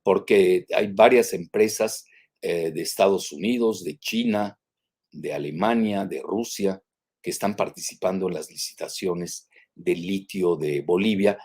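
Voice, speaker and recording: Older Mexican man hosting a live analysis show, low husky voice, rambling with lots of fillers and self-corrections. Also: a little slow, darkish tone. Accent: Mexican Spanish. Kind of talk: live commentary, reading and remarking on news.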